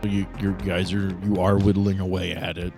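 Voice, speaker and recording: A man acting as game master, narrating a tabletop role-playing game in descriptive, deliberate detail. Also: low-pitched, level tone, vocal fry, over music.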